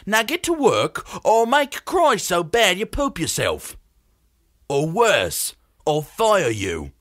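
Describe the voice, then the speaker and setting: A man's voice: sits high, huge pitch swings, slow pace, fairly bright tone, no echo, clean studio sound, voice pushed up, full character voice. A man playing a bullying boss with a Cockney accent, mocking and threatening his crew.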